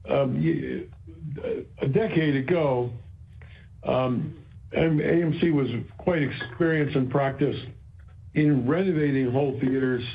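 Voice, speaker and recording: A man speaking as a company executive on an earnings call, explaining in a halting way and repeating phrases for emphasis. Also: mid-range voice. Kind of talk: earnings call remarks, semi-prepared explanation. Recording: dull, band-limited conference call audio.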